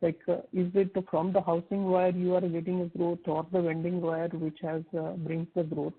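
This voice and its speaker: A man's voice: high-pitched, little pitch movement, moderate pace, husky. A man with an Indian accent asking questions as an analyst on an earnings call, phrasing things hesitantly and piece by piece. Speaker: analyst caller. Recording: thin, narrow phone line.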